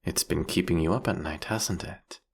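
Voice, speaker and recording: Man voicing a deep, gravelly, mocking vampire king. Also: heavily acted. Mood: sly, probing. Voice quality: husky, gravelly. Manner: theatrical, mocking, drawn-out, teasing phrasing. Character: captured vampire king, male, sardonic, taunting, silkily menacing. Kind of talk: scripted audio roleplay monologue addressed to the listener.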